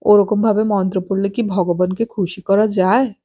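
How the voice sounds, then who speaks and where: A woman's voice: medium pitch, steady tone, normal speed, husky, close to an everyday voice. A woman voicing a nosy, gossipy housewife. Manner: chatty, prying, sharp-tongued. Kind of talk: audiobook character voice.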